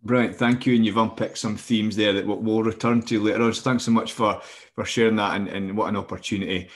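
A man with a northeast Scottish accent and a lowish voice, hosting an interview. He is courteous and thanks his guest warmly, with lots of ums and restarts. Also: fairly even intonation, quick pace. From northeast Scotland. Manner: polite, hesitant, many fillers.

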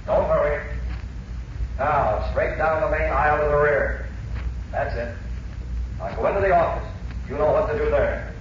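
A man playing a brisk film director giving clipped, authoritative orders in a 1940s radio drama. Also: fairly high pitch, close to an everyday voice. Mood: commanding. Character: brisk, commanding film director shouting instructions on location. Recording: echoey, distant, dull noisy 1940s radio recording.

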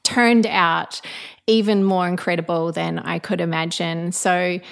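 A woman's voice: lowish voice, fairly even intonation, measured pace, vocal fry, smooth. A woman in her late thirties from New Zealand with a blended New Zealand and Australian accent, a guest chatting casually and reflectively in a home kitchen, laughing often. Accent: New Zealand, with some Australian. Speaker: guest, architect turned business coach. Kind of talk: casual interview chat.

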